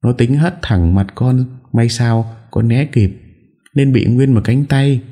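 A man's voice: extremely low pitch, animated, a little slow, gravelly, dark tone, exaggerated voice. A man voicing a scheming young wife who whines through sobs in a storybook reading. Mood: tearful whining. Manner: whiny, sobbing complaint.

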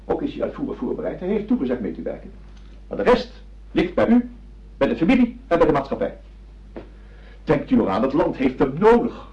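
A pompous doctor in a radio play, lecturing with theatrical self-assurance. His fairly high voice swings widely in pitch. The recording is dull and lo-fi. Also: wildly swooping pitch, fairly quick, long pauses. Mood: insistent, declamatory. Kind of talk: radio drama acting.

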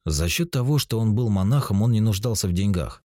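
A man in his forties calmly explaining spiritual ideas, speaking straight to the listener as narrator of a self-help book. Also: fairly low pitch, a little fast, dry recording, studio quality. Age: 40s. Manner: calm, explanatory, addresses the listener directly.

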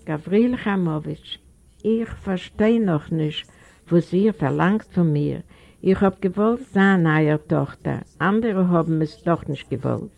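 Earnest young heroine, hesitant, slightly gravelly, woman reader doing her, storybook. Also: fairly low pitch, expressive, takes it slowly, a little mellow, lo-fi sound, full character voice. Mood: questioning. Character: young woman, shy and bold by turns.

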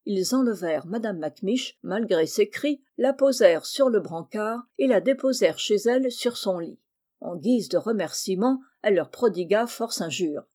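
Female audiobook narrator, classic novel, warm mellow tone, steady and clear. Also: mid-range voice, normal speed.

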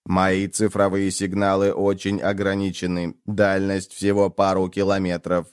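A man voicing a calm, formal male machine companion in an audiobook, speaking slowly and officially. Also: deep voice, clear, resonant tone, no room sound, clean studio sound. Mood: detached. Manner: slow, formal, flat.

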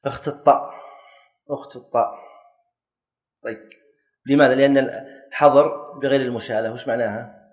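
A man's voice: mid-range voice, fairly even intonation, brisk, pauses often, lo-fi sound. A man teaching a classroom lesson, quizzing and correcting students and joking lightly. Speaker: teacher of Islamic jurisprudence.

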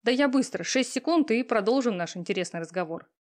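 A woman voicing a pushy, talkative young female friend who teases and lectures loudly. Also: on the high side, lively intonation, brisk, lightly acted. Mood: bossy. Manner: loud, teasing, talkative.

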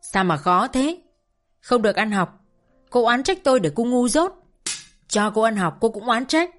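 A woman's voice: a little high, expressive, moderate pace, soft background music, voice pushed up, natural voice. A woman voicing a bitter middle-aged mother who runs a brothel, scolding her daughter in a tearful, indignant voice. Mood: tearful anger.

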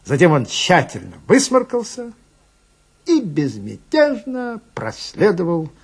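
A man telling a story in dramatic radio style, expressive and wry. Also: high voice, takes it slowly, breathy edge. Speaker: storyteller, actor.

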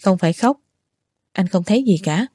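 A woman voicing a man who gently soothes his tearful young lover, in a storybook reading. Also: medium pitch, lively intonation, normal speed, husky, dry recording, studio quality. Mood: coaxing. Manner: soothing, coaxing.

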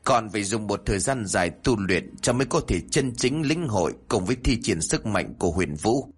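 A man voicing a kindly older male exorcist who calmly explains things to a girl. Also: on the low side, brisk, slightly rough. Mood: earnest.

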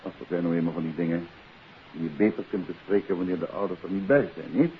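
A man's voice: sits low, fast, natural voice. A man playing a confident author-detective in a 1950s radio play, coaxing and insistent as he questions. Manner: urbane, persistent, adds questioning tags. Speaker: radio drama lead actor. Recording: hissy, muffled 1950s radio recording.

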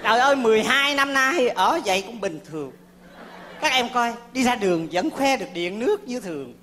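An actress playing a brash, sharp-tongued market woman who is looking for a husband, firing off insults in a stage comedy sketch. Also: on the high side, expressive, in a large hall. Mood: brash ranting. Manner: brash, fast-talking insults. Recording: live stage with crowd noise.

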